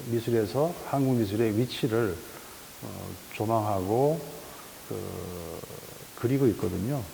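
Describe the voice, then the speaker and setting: A man's medium-pitched voice at a fairly slow pace with ordinary pitch variation, audible room echo and noticeable background noise. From South Korea. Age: 60s. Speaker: painter. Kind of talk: interview. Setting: artist's studio.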